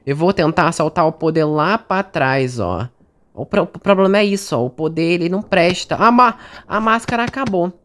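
A woman's voice: lowish voice, animated, moderate pace. Chatty, jumpy Brazilian woman gamer. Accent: Brazilian Portuguese. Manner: chatty and jumpy, talks to the audience and game characters. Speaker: gaming streamer. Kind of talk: casual gameplay commentary.

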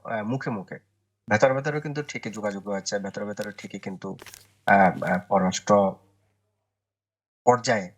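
A man, a newspaper correspondent, giving opinion commentary in a TV interview, speaking deliberately and often pausing with "uh" and restarting. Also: fairly low pitch, fairly bright tone. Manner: deliberate, with frequent "uh" pauses and restarts.

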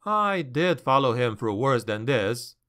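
Male narrator as young swordsman, plain level voice, unhurried. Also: mid-range voice, very animated, sharp tone. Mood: calm.

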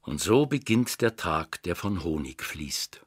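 Lowish dry-sounding male narrator. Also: very animated, a little slow, no echo. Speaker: audiobook narrator. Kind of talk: scripted literary narration. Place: dry studio.

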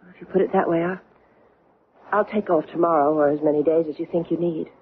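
An actress playing an earnest, troubled woman under hypnosis in a radio drama, speaking haltingly. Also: deep voice, fairly even intonation, close to an everyday voice. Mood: uneasy. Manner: hesitant, halting. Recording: noisy, tinny old radio broadcast.

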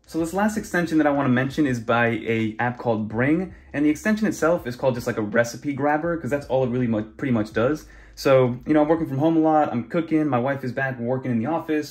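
A man's voice: mid-range voice, a little mellow. A young man casually walking through tablet browser features in a chatty, conversational way. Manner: chatty, conversational, many fillers. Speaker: tech YouTuber. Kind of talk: casual screen walkthrough.

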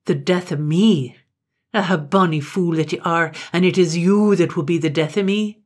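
A woman doing a gloating, black-hearted Highland man. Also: slow pace. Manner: gloating, low menace.

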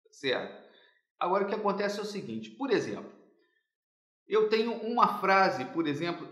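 High-voiced man explaining patiently. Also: echoey room. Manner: didactic, checks in with "tá certo?" often. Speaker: businessman, English school owner. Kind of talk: explaining in an interview.

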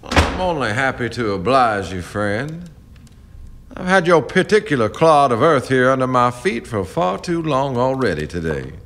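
A man's voice: medium pitch, very animated, moderate pace, fairly bright tone, a little hiss or hum. Man acting a swaggering riverboat captain, swooping delivery. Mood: mocking bravado. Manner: smooth-talking, taunting, flowery. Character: swaggering, menacing riverboat captain pressing his advances. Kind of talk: radio drama acting.

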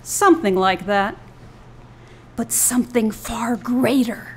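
A woman actor plays a mysterious young woman in a live noir radio play. Her voice is on the high side. She speaks in cool, cryptic, teasing lines that carry a threat. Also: slow, slight background noise. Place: live on stage in a club.

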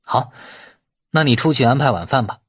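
A man's voice: mid-range voice, animated, moderate pace, slightly rough, no echo, clean studio sound. A man reading the part of a courteous, glib young businessman in an audiobook. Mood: smooth, probing.

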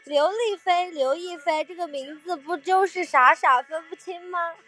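High-voiced woman chatting on a livestream. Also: normal speed, sharp tone, soft background music. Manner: chatty, laughs at her own slips of the tongue; sings along with songs between chatting. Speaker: livestream host. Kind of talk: casual livestream chat.

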